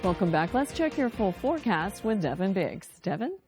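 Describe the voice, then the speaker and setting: A woman's voice: medium pitch, very animated, moderate pace, over loud music. A woman anchoring a local TV newscast, reading scripted news in a studio. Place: dry TV studio.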